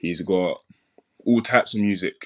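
A man speaks with a London accent, his intonation flat and monotone. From South London. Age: 20s. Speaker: professional footballer. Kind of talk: interview.

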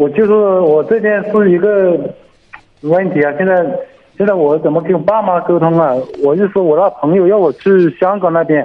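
A man's high-pitched voice at a moderate pace, with very even loudness and ordinary pitch variation. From Hunan, China. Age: 20s. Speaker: caller, former sales and factory worker. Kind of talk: phone-in advice call. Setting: phone call.

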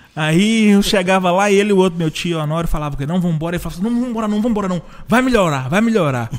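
Very fast and high-pitched, a man speaks with ordinary pitch variation amid audible room echo. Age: 30s. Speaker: journalist. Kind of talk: casual chat.

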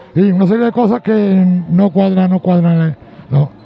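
Over noticeable background noise, a man with a high voice talks at a moderate pace with ordinary pitch variation. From Andalusia, Seville province. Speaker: local resident. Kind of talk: street interview.

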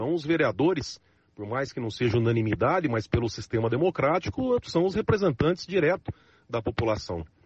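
Very wide pitch swings, a somewhat breathy quality and a fairly quick pace. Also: man, medium pitch for a man. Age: 40s. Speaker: city councillor. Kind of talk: news interview.

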